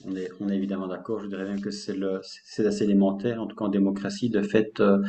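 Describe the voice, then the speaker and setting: A man hosting an interview, asking questions in a measured, thoughtful way and reading poetry aloud. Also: low-pitched, level tone, warm tone, reverberant. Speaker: interviewer and host.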